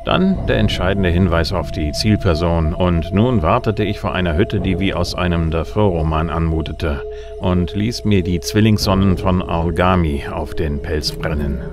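An actor playing a tough, sardonic bounty hunter, narrating and speaking in a dry, matter-of-fact way in a science fiction radio drama. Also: male voice, low-pitched, moderate pace, over music. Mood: wry, composed. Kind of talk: first-person hardboiled radio drama narration and dialogue.

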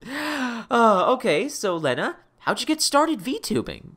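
A woman's voice: on the high side, very animated, takes it slowly, fairly bright tone. A woman hosting a casual interview in an effusive, playfully dramatic way. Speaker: interview host.

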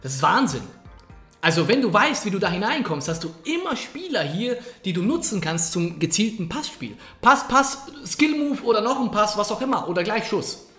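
A man giving energetic, colloquial coaching commentary over gameplay, talking straight to the viewer. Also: high voice, fairly quick. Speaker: gaming coach. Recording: echoey room. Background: faint background music.

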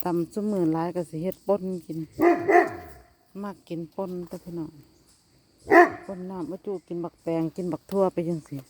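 A woman's voice: lowish voice, fairly even intonation, normal speed, pauses often, dark tone. Chatty woman with an Isan accent. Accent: Isan (Northeastern Thai). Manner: chatty, talks to her dogs and viewers. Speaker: vlogger. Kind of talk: casual vlog chat while gardening. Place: backyard garden outdoors.

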